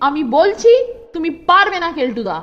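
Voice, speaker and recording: A woman's voice: very high-pitched, big pitch swings, moderate pace, bright, forceful tone, muffled recording, heavily acted. A woman voicing a plucky, crafty young schoolboy in a children's cartoon, spirited and indignant. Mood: challenging. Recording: long reverb, music behind.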